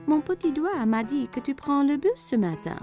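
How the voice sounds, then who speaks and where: A woman voicing a caring, gentle young mother in a children's cartoon, reassuring and motherly. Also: high voice, animated, normal speed, faint music behind. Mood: warm, playful.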